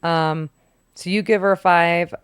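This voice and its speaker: A woman co-hosting a book podcast, leading the chat in a brisk, laughing way. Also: fairly low pitch, fairly even intonation, clear, resonant tone, no echo. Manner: brisk, leads the segment, laughs often. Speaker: podcast co-host. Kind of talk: casual chat.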